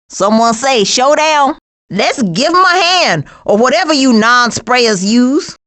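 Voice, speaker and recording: Sassy high-pitched American skunk gal. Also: female voice, fairly bright tone, full character voice. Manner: sassy, slangy, emphatic delivery. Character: sassy, streetwise female skunk, bold and wisecracking. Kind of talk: animated video game voice lines.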